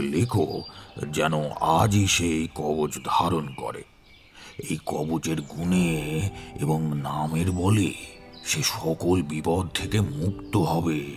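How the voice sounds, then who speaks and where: A man does a put-on character voice, pitched very deep and low. Background noise is clearly heard. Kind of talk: formal old-style Bengali letter reading. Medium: audio drama. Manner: hesitant, earnest.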